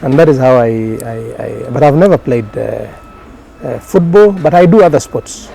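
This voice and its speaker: A man's voice: mid-range voice, normal speed, gravelly, warm tone, slightly rough, poor audio. A man from Kenya whose first language is Somali, a journalist telling his career story in a casual interview, with many fillers and restarts. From Kenya, grew up in Garissa. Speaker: journalist guest.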